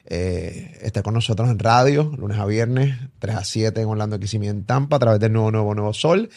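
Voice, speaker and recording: A man's voice: lowish voice, normal speed, gravelly, darkish tone. Talkative Puerto Rican male host. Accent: Puerto Rican Spanish. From Puerto Rico. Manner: talkative, many fillers and restarts, exclamations. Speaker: radio and online show host. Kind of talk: casual interview.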